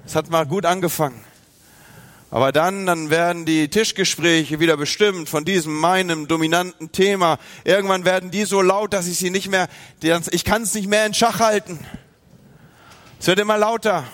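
A man's voice: sits high, moderate pace. A man preaching a sermon, from northern Germany, talking straight to his listeners and acting out their inner voices. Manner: lively, speaks to the listener directly, acts out inner voices. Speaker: pastor.

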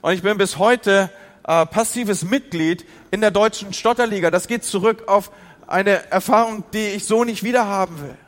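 A man preaching as a pastor, moving between loud outcries and quiet, intimate passages. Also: high voice, normal speed, in a large hall. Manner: emotional, swings from loud outcries to hushed intimacy. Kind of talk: sermon.

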